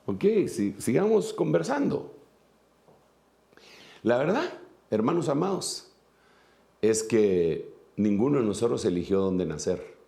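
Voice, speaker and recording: Guatemalan preacher, male, earnest sermon delivery with repetitions, low gravelly voice. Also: big pitch swings, slow pace, pauses often, dark tone. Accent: Guatemalan Spanish. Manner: earnest, repeats phrases for emphasis, fillers and restarts. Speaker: apostle and preacher.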